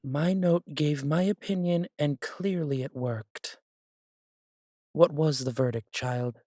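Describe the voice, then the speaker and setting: A man's voice: fairly high pitch, slow, a little mellow, dry recording, clean studio sound. A man playing a chatty, fussy angel in an audio drama, with theatrical, musing asides. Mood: wry, teasing. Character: chatty, fussy, coffee-loving male angel, teasing elder brother.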